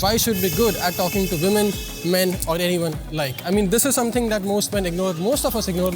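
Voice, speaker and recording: High-pitched, fast-talking man with Bengali accent. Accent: Bengali Indian. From India. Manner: emphatic, repetitive phrasing. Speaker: YouTube channel host. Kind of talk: motivational vlog talk to viewers.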